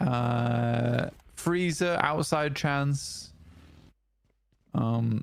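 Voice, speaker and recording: Lively intonation marks this woman's very deep, low voice, delivered in a British accent. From Britain. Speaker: esports co-caster. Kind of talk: casual esports watchparty commentary. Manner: animated.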